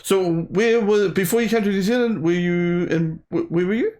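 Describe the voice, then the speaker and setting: A man's voice: high voice, moderate pace, darkish tone. A man hosting a casual interview, laid-back and rambling, filling his questions with "like" and "man". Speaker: interview host.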